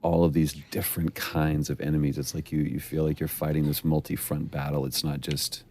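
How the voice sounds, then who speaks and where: A man with an extremely deep voice, gravelly and dark in tone. He chats in a relaxed, reflective way while commenting on scenes, and laughs easily. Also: brisk. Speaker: actor on developer commentary. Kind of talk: casual commentary chat.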